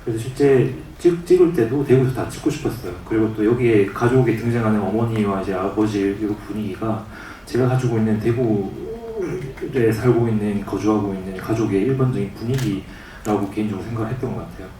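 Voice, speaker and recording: A film director with a Daegu accent, answering at a press conference, halting and restarting often. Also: male voice, on the low side, mellow, a little hiss or hum. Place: cinema press conference hall. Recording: echoey hall from far off.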